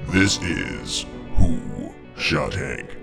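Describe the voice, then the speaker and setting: A man announcing a dramatic recap for an audio drama in a slow, ominous, drawn-out way. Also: low voice, very animated, gravelly. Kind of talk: dramatic trailer-style recap. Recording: music bed under voice.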